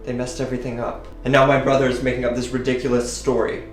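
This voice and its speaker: A man's voice: medium pitch, flat delivery, quick pace, natural voice. An actor playing a hurt, skeptical young gay man in a short film drama. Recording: film audio with music underneath.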